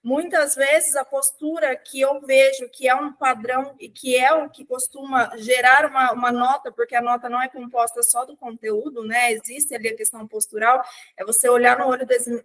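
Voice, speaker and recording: High-voiced Brazilian woman examiner. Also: fairly even intonation, fairly bright tone. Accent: Brazilian Portuguese. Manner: measured, deliberate dictation of questions. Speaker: examiner in a mock oral exam. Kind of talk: formal exam questioning.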